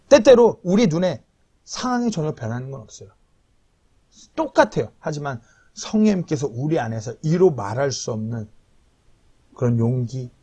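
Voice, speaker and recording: A man's voice: a little high, mellow, breathy edge. A man in his thirties preaching an earnest, confessional sermon as a pastor, at times pleading.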